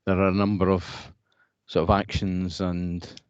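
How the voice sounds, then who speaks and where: A deep-voiced man chairs an online meeting, pausing often and restarting his sentences. His audio comes through a dull, dry video call line with no room around it. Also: little pitch movement, no room sound. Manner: hesitant, many fillers and restarts.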